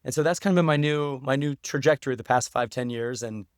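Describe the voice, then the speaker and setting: A man's voice: medium pitch, quick pace, smooth, no room sound, studio quality. A man speaking as a podcast guest, giving articulate, informal answers in a conversational way. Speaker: podcast guest, writer and English professor.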